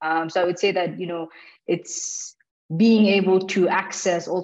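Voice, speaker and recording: Her fairly low-pitched voice stays monotone and flat as the woman speaks. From Kenya. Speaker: startup founder and CEO. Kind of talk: panel discussion. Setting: video call. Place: office. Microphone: earbuds.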